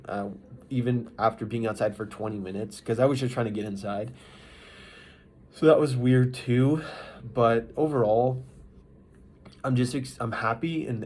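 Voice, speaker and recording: A man giving a casual, unscripted vlog recap, speaking in a halting, rambling way with mid-thought restarts. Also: fairly low pitch, a little mellow. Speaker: vlogger. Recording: noisy ambient background.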